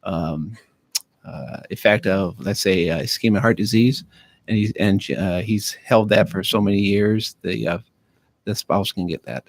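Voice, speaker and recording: A man answering questions on a radio show as a guest, speaking haltingly with many fillers and restarts. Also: on the low side, gravelly, no echo. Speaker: county veterans affairs officer, studio guest. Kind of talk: casual radio interview. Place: radio studio. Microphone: studio microphone.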